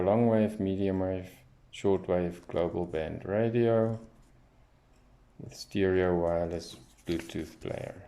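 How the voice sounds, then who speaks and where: Slow, low-voiced man, slightly gravelly. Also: dark tone, slight background noise. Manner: unscripted, thinking aloud while reading off labels. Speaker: hobbyist radio reviewer. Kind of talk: casual unboxing commentary.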